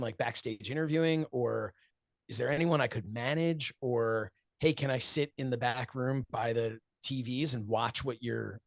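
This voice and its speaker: A man in his forties with a gravelly, textured voice answers interview questions earnestly and reflectively. He tells stories, acts out what friends once said to him, and laughs often, recorded close and dry with no room sound. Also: mid-range voice, dry recording. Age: 40s. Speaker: wrestling commentator and show host, interview guest.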